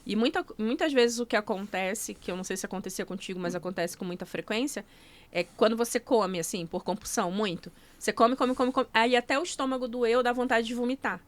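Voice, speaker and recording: A woman's voice: a little high, fairly quick. A woman speaking as a podcast guest, explaining her method one step at a time in a casual interview. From Brazil. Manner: explanatory, walks through steps one by one. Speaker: guest, nutrition coach.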